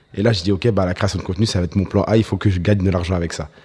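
A man's very deep, low, somewhat breathy voice at a very fast pace with fairly even intonation. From France, Paris suburbs (Cergy). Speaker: content creator. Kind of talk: casual interview chat.

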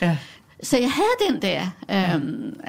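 This is a woman speaking. Her voice has vocal fry. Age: 70s. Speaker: gender researcher. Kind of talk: casual interview. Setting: at her home.

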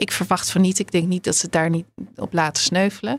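A woman speaks at a moderate pace in a fairly low pitch with a plain, everyday voice. The recording is very clean, with a silent background. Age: 40s. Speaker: political reporter. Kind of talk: news podcast interview.

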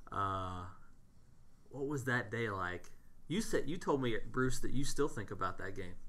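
A man's bright, sharp voice at medium pitch, fairly slow, with long and frequent pauses. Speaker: podcast host. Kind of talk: interview.

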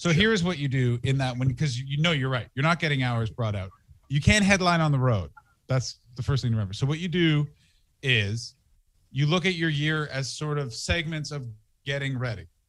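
Using a plain, everyday voice, a man talks at a fairly quick pace and a fairly high pitch with lively intonation. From Canada, Ottawa. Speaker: stand-up comedian. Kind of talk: casual chat.

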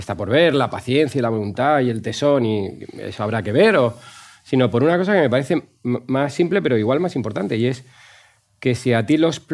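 With lively intonation, an ordinary speaking voice goes at a fairly quick pace. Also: man. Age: 40s. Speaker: panel guest. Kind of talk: panel discussion.

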